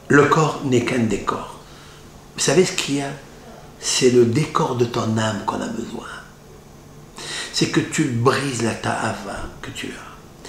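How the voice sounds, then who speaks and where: Animated rabbi in an echoey room. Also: male voice, mid-range voice, a little hiss or hum. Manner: dramatic, rhetorical, peppered with Hebrew terms. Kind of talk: Torah lesson. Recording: echoey room with faint ambience.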